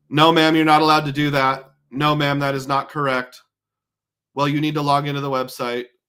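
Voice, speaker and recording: A robotic, put-on character voice from a man, fairly high-pitched, fairly quick and monotone, flat in intonation. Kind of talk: formal, scripted. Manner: robotic monotone.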